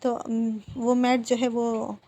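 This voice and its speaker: A woman narrating fan fiction in a plain, steady retelling with repeated connecting phrases. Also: fairly high pitch, takes it slowly. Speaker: storyteller.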